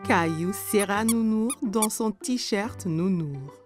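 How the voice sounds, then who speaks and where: A woman reading scripted narration for a children's cartoon in a clearly phrased storytelling manner. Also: mid-range voice, takes it slowly. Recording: music behind the voice. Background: background music.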